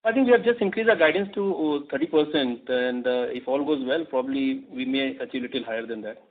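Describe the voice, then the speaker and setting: A man with an Indian accent, a company executive answering questions on a conference call, in a halting way peppered with filler phrases. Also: mid-range voice. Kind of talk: answering analysts on an earnings call. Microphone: telephone conference call. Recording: tinny narrowband phone line.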